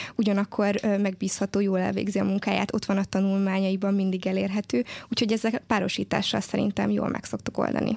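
A woman's very fast speech with hardly any pauses, monotone, flat intonation and very even loudness, in a dry, close sound with no echo on a very clean recording with a silent background. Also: medium pitch for a woman. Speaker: student union officer. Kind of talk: casual interview. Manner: formal.

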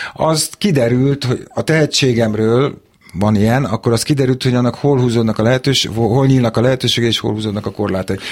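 Speaking fairly quickly, a man keeps his loudness very even, his medium pitch moving with ordinary variation. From Budapest, Hungary. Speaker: writer and editor. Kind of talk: interview. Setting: studio. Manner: halting.

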